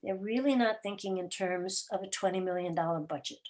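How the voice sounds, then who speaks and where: A woman with a medium-pitched voice talks as a guest producer in an online meeting. She explains things conversationally and thoughtfully, pausing and picking her way through sentences. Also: darkish tone. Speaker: guest, producer of an audio theater program. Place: remote video call.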